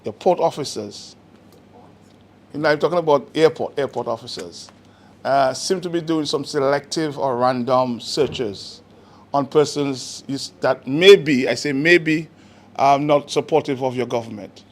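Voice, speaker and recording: A man's voice: medium pitch, a little slow. A man putting questions as a reporter at a press conference, persistent, hedging and rephrasing as he goes.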